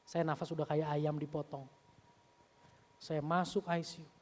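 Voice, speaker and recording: A man in his thirties, a youth pastor, giving an earnest sermon with a personal testimony, swinging between raised emphasis and hushed confession. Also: fairly high pitch, little pitch movement, moderate pace. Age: 30s.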